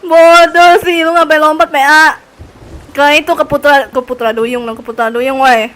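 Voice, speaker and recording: A woman's voice: high-pitched, fairly even intonation, normal speed, a bit bright. A young woman streaming a game, laughing often and sighing in exasperation at her teammate. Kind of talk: casual live-stream chat.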